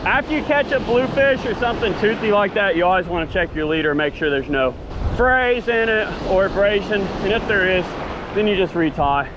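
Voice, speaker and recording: A man hosting a fishing vlog, chatting casually and excitedly while casting and fighting fish from the surf. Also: high-pitched, fairly quick, lo-fi sound. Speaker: fishing channel host. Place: sandy ocean beach outdoors at sunrise. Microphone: chest-mounted action camera. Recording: outdoor action cam with surf noise. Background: surf and waves.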